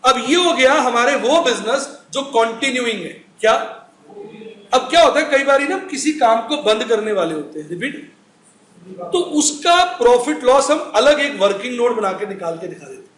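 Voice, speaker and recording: A man's voice: extremely high pitch, lively intonation, normal speed, a bit bright. A middle-aged man teaching accounts in a recorded classroom lecture, chatty, asking the class questions and answering them himself. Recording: echoey room with faint noise.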